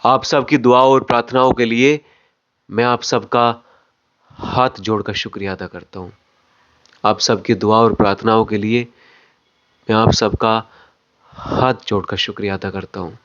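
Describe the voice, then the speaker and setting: A man acting out a factory owner's son who solemnly and confidently addresses his employees in slow, deliberate phrases, as in a film drama. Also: fairly low pitch, steady tone, fairly bright tone. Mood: grateful, soft. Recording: dull lo-fi audio.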